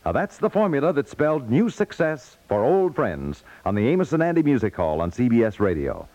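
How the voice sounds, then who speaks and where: A man's voice: medium pitch, a little mellow, no echo. American male radio announcer, swinging delivery. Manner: folksy, polished salesmanship. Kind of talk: 1950s network radio promo. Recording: dull, dry 1950s radio recording.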